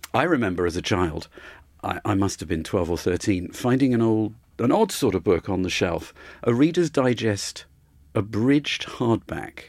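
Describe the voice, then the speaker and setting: Heard on a very clean recording with a silent background, a man with an ordinary speaking voice speaks at a moderate pace, his pitch fairly low and his intonation lively. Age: 60s. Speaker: playwright and novelist. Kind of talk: casual chat. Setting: studio.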